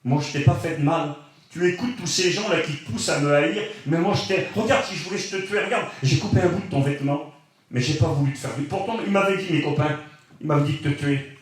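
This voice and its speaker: A man's voice: fairly high pitch, fast talker, lightly acted. A man voicing a humble young fugitive who pleads earnestly with a king. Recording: echoey hall from far off.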